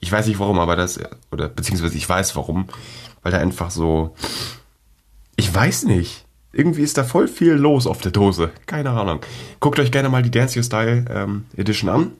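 A man's voice: fairly low pitch, normal speed. A teenage boy hosting his own podcast, talking in a rambling, slangy, casual way while sick with a cold and coughing now and then, close to his microphone. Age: teens. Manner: rambling, slangy, many fillers. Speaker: podcast host. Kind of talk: casual solo podcast chat. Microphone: close podcast mic.

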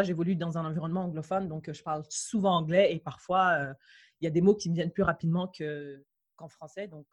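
A young woman from Mauritania with a slight English-influenced French accent, co-hosting a podcast in relaxed chat that switches between French and English. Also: lowish voice. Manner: code-switching, laughs easily. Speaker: podcast co-host.

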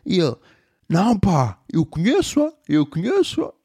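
A man's voice: high voice, huge pitch swings, measured pace, dark tone, slightly rough, no room sound, pitched above the performer's own voice, heavily acted. A man voicing a pushy, drunk seventeen-year-old boy who insists and repeats himself. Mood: insistent.

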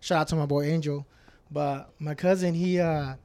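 Podcast guest: man, early thirties, fairly high voice, loose and rambling, swears a lot. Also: steady tone, normal speed, a little mellow. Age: 30s. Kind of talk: casual chat.

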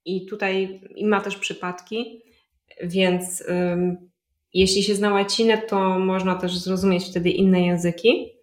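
A woman's voice: medium pitch, level tone, unhurried, reverberant. A woman guest in a casual interview who explains language learning at length, thinking aloud with fillers and restarts. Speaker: polyglot guest.

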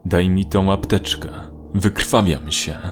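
A man voicing a wounded male soldier who is bleeding, gruff and urgent, in a spoken war story. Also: deep voice, slow, soft background music.

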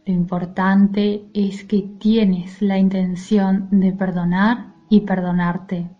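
A woman leading a guided mindfulness meditation in a soothing, gentle, soft-spoken manner. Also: mid-range voice, flat delivery, slow, muffled recording. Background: music.

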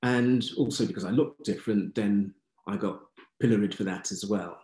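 A well-spoken English man in his sixties, his voice sitting on the low side. He tells his own story plainly and candidly at a measured pace. The sound carries noticeable room echo. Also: dark tone. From England. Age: 60s. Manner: measured, candid, matter-of-fact. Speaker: interview guest. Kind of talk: reflective life-story telling.

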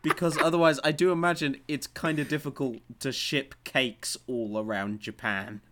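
A man's voice: medium pitch, steady tone, normal speed, bright, forceful tone. Guy cohosting a chill news podcast, dry jokes, lots of uhs, regular mid voice. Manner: dry joking with frequent ums and uhs. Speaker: podcast co-host. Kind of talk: casual news chat.

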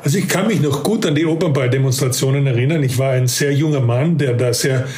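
A man's voice: mid-range voice, quick pace, darkish tone. A man in his fifties with a Carinthian Austrian accent, speaking as an interview guest in a reflective way, often repeating words as he searches for them. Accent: Carinthian Austrian German. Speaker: interview guest, former police officer. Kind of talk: casual interview talk.

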